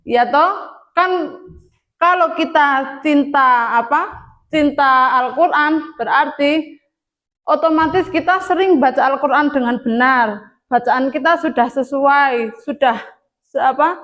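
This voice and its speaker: A woman's voice: sits high, slow, pauses often, a bit bright, dull audio. A young woman teaching a primary class in a classroom, speaking with an Indonesian accent and coaxing her pupils with questions.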